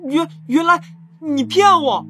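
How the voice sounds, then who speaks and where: A man doing a high-pitched, timid young policeman. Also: expressive, unhurried, pushed and bright, soft background music, full character voice. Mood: indignant. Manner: stammering, hesitant. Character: timid, naive, eager young male police officer.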